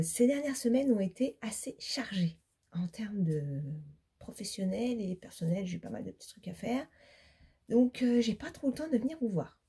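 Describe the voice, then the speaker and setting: A woman's voice: medium pitch, warm tone, slightly rough. A middle-aged woman from France chatting casually to camera in a knitting vlog, rambling with many fillers, tired and still congested after laryngitis. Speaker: knitting vlogger.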